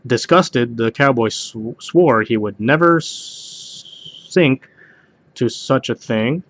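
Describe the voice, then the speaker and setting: A man's voice: mid-range voice, takes it slowly. Man casually reading jokes aloud, stumbling along. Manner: stumbles over the text and rereads lines. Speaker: joke reader hosting a home video.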